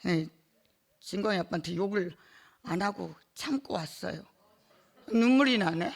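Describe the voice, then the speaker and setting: A middle-aged woman giving an emotional personal testimony at a church gathering, halting, with many fillers and small laughs between phrases. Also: on the low side, fairly even intonation, creaky, slight background noise.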